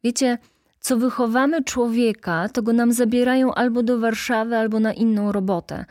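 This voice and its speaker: A woman reading an audiobook, voicing a brisk middle-aged woman activist who tells her stories in a lively, indignant way. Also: fairly high pitch, no room sound, studio quality, close to an everyday voice.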